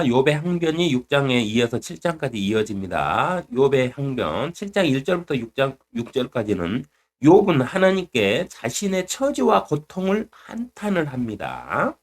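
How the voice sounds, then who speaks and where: A man teaching a Bible study sermon, animated and blunt, talking in a colloquial way with some coarse words. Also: on the high side. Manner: acts out arguments in quick back-and-forth.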